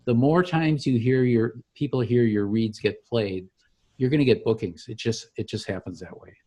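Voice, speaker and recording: A man founder demonstrating his software tool step by step in an easygoing, explanatory way. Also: medium pitch. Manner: relaxed, explanatory, slows to show steps. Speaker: software founder giving a demo. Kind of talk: walkthrough of an online tool.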